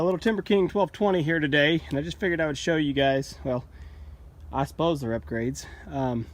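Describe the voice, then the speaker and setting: A man, a bit out of breath, casually showing the upgrades on his sawmill in a plainspoken, folksy way. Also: a little high. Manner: plainspoken, folksy, explains as he goes. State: a little out of breath. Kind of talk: casual how-to vlog. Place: outdoors at a sawmill.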